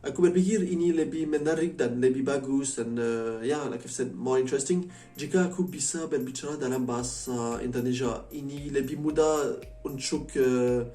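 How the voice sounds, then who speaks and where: A mellow-voiced man with a French accent talks casually to his viewers as a foreigner learning Indonesian. He speaks it haltingly and keeps switching into English. The recording is roomy and distant from the mic. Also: medium pitch, a little hiss or hum. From France. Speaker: vlogger. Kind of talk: casual chat to camera. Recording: echoey room, distant mic, faint music.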